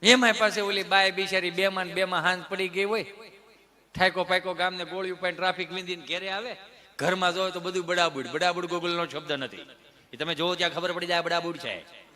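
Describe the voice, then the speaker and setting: A man with a Kathiawadi Gujarati accent performing a stand-up comedy monologue, telling stories in an animated way and acting out family members. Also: sits high, quick pace. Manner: animated storyteller who mimics family members.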